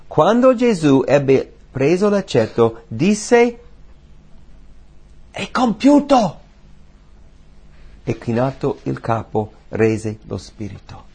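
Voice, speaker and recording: A man delivers a sermon in a gravelly, husky voice. He speaks with emphasis, repeating key phrases and moving from hushed lines to forceful ones. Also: mid-range voice. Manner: emphatic, repeating key phrases, swinging between soft and loud. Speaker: preacher.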